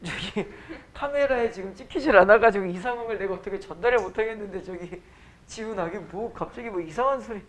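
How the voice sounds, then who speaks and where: A man teaching a high school Korean class, lecturing casually with joking asides to his students. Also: fast, fairly bright tone. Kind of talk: classroom lecture with teasing banter. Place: academy classroom.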